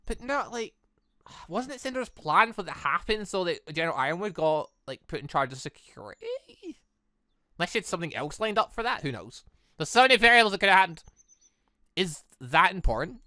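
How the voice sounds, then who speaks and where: A man hosting a gaming video, reacting excitedly as he reads through a visual novel aloud in an animated, exclaiming way. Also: high voice, brisk, no echo, studio quality. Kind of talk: let's play, reading visual novel dialogue aloud with reactions.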